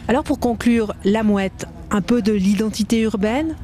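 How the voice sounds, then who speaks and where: A woman reporter, narrating a radio feature in an even, crisp way. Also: on the high side, moderate pace. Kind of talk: scripted narration.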